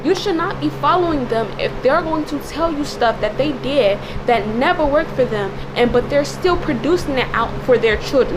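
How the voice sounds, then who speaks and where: A woman with a slightly raspy, cracking voice giving informal, preachy commentary in an emphatic, repetitive way as a video creator. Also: sits high, background noise. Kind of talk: informal spoken commentary with religious exhortation.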